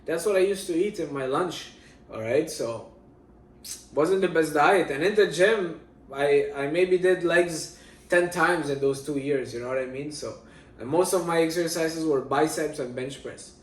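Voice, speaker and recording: A man's voice: fairly high pitch, measured pace. Emphatic man in a roomy space. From Syria. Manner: emphatic, repeats key points, addresses viewers as guys. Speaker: fitness vlogger. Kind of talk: casual talk to camera. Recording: roomy, distant from the mic.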